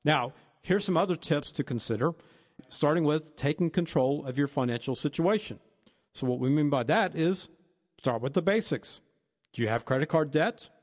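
Speaking at a moderate pace in a slightly high voice, a male financial advisor lays out retirement planning tips one after another on a co-hosted advice talk. His delivery is steady and explanatory, with a long reverb tail behind it.

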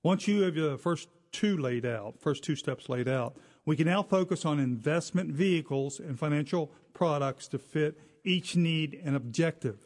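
A man's voice: a little high, normal speed, few pauses, a little mellow, big-room sound. A man co-hosting a financial advice talk, stressing key words with emphasis. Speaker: financial advisor co-host.

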